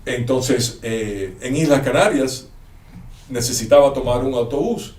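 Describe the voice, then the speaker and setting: A man with a Cuban accent, a guest telling anecdotes and jokes in a casual interview, often pausing on fillers. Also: medium pitch, darkish tone. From Cuba. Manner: anecdotal, hesitant with fillers, joking. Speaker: guest, lawyer. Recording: roomy, distant mic, faint noise.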